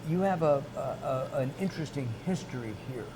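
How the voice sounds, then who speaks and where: A man hosting an interview, speaking haltingly and often restarting his words. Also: medium pitch. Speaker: interview host. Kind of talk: casual interview. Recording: noisy background.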